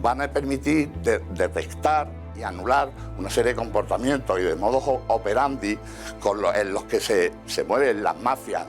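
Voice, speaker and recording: A male official giving a formal, technical explanation in an interview, somewhat halting. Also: lowish voice, lively intonation, faint music behind. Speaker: border control official.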